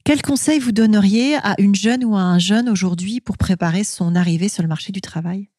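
Quick-talking woman interviewing through a face mask. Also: medium pitch, dark tone, no room sound, clean studio sound. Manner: engaged, summarising and affirming answers. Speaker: interviewer, host. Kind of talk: conversational interview questions.

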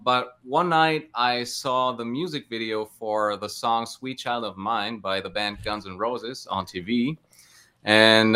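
A man's voice: medium pitch, bright, forceful tone, clean tone. A man giving casual interview answers as a guest, thinking his way through with hesitant phrasing. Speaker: interview guest, guitar teacher.

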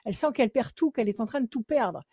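A woman's voice: a little high, expressive, fast, dark tone, husky, dry recording, studio quality. A woman working as a psychic on a call-in show. She gives firm advice again and again and counts cards under her breath. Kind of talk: phone consultation with card reading.

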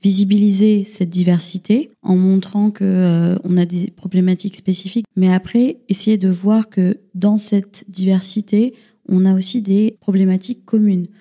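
Reflective woman guest, mellow voice. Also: medium pitch, fairly even intonation, normal speed. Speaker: podcast guest.

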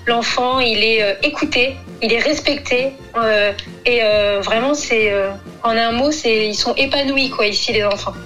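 A woman from France answering interview questions about her family, hesitant, with many fillers and pauses. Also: a little high, fairly bright tone, faint music behind. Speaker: guest, expat mother.

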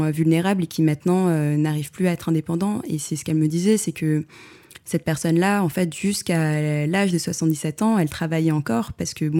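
A woman photographer with a low, mellow voice answers interview questions reflectively. She hesitates often, using many fillers and restarting her sentences.

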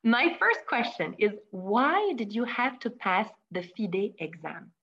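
A woman's voice: mid-range voice, sing-song, takes it slowly, fairly bright tone, breathy edge, dull audio. A woman hosting an interview, welcoming and encouraging her guest. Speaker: host, company head.

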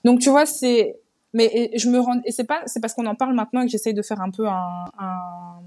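A woman's voice: fairly high pitch, normal speed, mellow. A young woman, a guest on a podcast, talking in a reflective way and searching for her words. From Belgium. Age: young adult. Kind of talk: casual podcast conversation.

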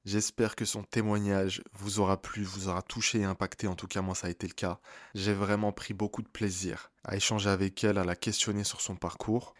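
A man's voice: lowish voice, little pitch movement, fairly quick. A man hosting a coaching podcast, encouraging and affirming his guest and audience. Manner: encouraging and affirming, many back-channel hums. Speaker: relationship coach and podcast host. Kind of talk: podcast interview and outro.

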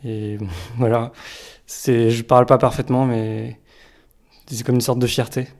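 A man's voice: mid-range voice, flat delivery, unhurried, darkish tone. A man recounting his childhood in an interview, plain and reflective. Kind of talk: personal testimony.

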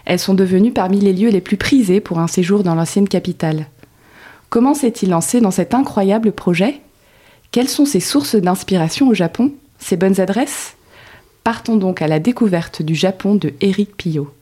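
A woman hosting a podcast, reading her introduction in a calm, measured way and then interviewing her guest. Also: mid-range voice, slightly rough. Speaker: podcast host. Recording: faint music behind.

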